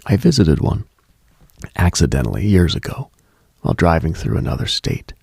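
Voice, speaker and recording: With his mouth close to the mic, a man hosts a mystical late-night radio monologue in a husky, breathy, gravelly low voice kept hushed. He's deliberate and brooding, with pauses, yet very animated, and the recording is dry.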